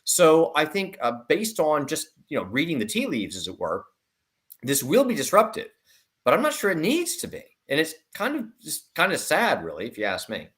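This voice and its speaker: A man's voice: on the high side, wildly swooping pitch, moderate pace, fairly bright tone. A man speaking as an investment analyst in an interview, giving conversational commentary with repeated words and qualifying asides.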